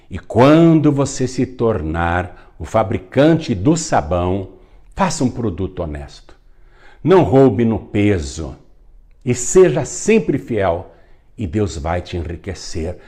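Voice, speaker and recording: Preacher doing a wise old country man, slow and loud, dark mellow voice. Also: fairly low pitch, breathy edge, exaggerated voice. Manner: slow, emphatic exhortation. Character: old devout country man, prophetic and fatherly.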